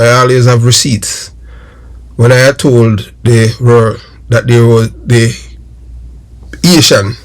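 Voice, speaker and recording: A man's voice: medium pitch, rough recording. Emphatic Jamaican man giving commentary. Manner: emphatic and repetitive, addresses viewers directly. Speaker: YouTube commentator and former detective. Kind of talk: political commentary monologue.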